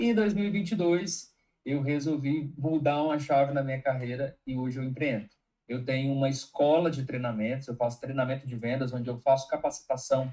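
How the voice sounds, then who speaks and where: A man's somewhat breathy voice has a dark, mellow tone. His pitch is fairly high, with ordinary variation. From Brazil, interior of Goiás. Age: 30s. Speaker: sales trainer and entrepreneur. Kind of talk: podcast interview.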